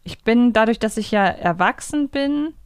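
A German woman chatting casually as a podcast host in a guessing game, asking questions and thinking aloud haltingly. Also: fairly high pitch, animated, clean tone, dry recording, studio quality.

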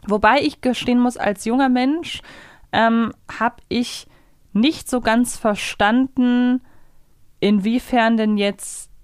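A woman's voice: a little high, fairly even intonation, slow, clear, resonant tone, no room sound, clean studio sound. A woman co-hosting a podcast, casually and reflectively explaining her thoughts. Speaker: podcast co-host. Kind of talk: casual discussion.

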